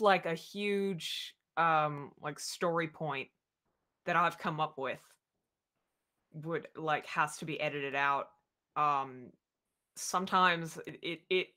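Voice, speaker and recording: Woman with a low but bright, forward voice, talking candidly on an online panel. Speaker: panelist, podcast writer. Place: indoor room, video call.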